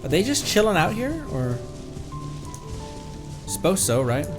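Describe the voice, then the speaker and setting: Animated male game streamer. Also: high voice, measured pace. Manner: chatty, thinking aloud. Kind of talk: casual livestream game commentary. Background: faint game music.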